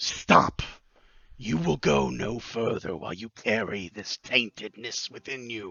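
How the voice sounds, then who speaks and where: A man uses a put-on character voice that is booming, growling and resonant, with lively intonation. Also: fairly low pitch for a man, fairly slow pace. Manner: commanding, loud, resonant.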